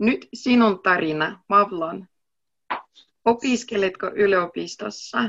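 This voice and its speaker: A woman speaks at a very slow pace. She leaves long, frequent pauses. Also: lively intonation, quiet background. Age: 30s. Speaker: Finnish language teacher. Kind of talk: language lesson. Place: home room. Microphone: webcam.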